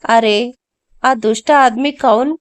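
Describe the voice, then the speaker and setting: Brash hothead, young man, played by a woman, Hindi-laced bluster, slightly high voice. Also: slow pace. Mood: angry, defiant. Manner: mixes Hindi words into Telugu, blustering. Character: brash young northern man, hot-tempered.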